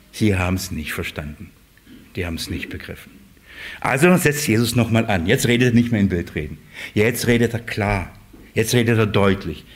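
Lively German-speaking male preacher. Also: mid-range voice. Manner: lively, acts out shepherd and sheep voices, rising and dropping loudness. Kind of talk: sermon.

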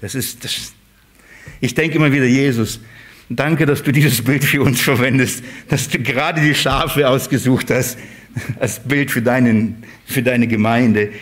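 Man, preacher, sermon, lively delivery, voices for shepherd and sheep. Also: medium pitch, a little slow. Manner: lively, acts out shepherd and sheep voices, rising and dropping loudness.

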